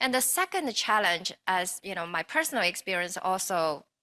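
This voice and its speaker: A woman with a Chinese accent, a bright, sharp tone and lively intonation, in a very clean recording with a silent background. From China, Shanghai. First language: Mandarin Chinese. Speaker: talent development executive. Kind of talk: panel discussion.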